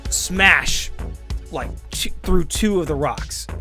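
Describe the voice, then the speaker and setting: Higher-voiced man running a tabletop game. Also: expressive, slow pace, sharp tone. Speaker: game master. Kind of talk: improvised tabletop game narration. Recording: music behind the voice. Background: background music.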